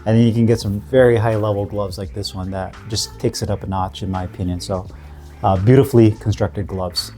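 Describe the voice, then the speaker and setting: A man with a cold, sniffling a bit, reviewing gear in a relaxed, rambling way full of fillers and restarts. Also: on the low side, a little fast, faint music behind. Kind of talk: casual product review.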